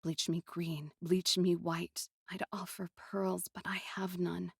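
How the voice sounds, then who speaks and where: A woman's voice: on the low side, level tone, slow, creaky, breathy edge, no room sound. Dry, close-miked woman narrating fiction dramatically.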